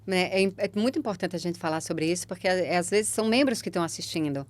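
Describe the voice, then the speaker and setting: A woman's voice: on the low side, quick pace. A woman with a Brazilian Portuguese accent hosting a podcast interview, speaking emphatically and encouragingly, often checking in with the listener. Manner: emphatic, encouraging, tag questions. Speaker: podcast host. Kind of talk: conversational interview.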